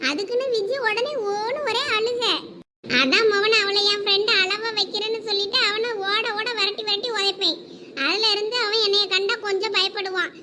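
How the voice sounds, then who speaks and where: A woman voicing a lively young village wife and her friends in a comedy drama, bossy, teasing and chatty. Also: extremely high pitch, very noisy.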